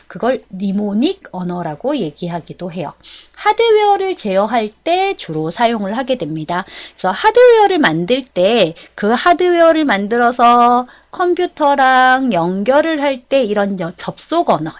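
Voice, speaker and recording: A woman giving an explanatory lecture as an instructor, step by step and in a polite register. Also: on the high side. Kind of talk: explanatory exam-prep lecture.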